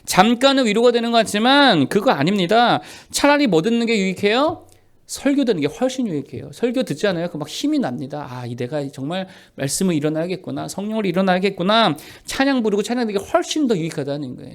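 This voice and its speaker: A middle-aged man preaches from the pulpit in a high voice that swings widely in pitch. He poses rhetorical questions and answers them at once, driving each point home through emphatic repetition. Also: very animated, quick pace. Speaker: pastor. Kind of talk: sermon.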